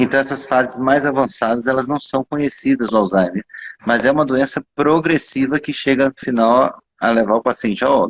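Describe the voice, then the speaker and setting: Here a man speaks at a moderate pace. His pitch is medium, with ordinary pitch variation. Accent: Minas Gerais. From Brazil, Minas Gerais. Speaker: neurologist. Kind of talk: interview.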